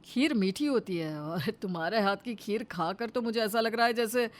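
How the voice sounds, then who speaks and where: A woman's voice: medium pitch, moderate pace, lightly acted. A woman voicing a young husband in a cartoon story, in a whiny, complaining tone.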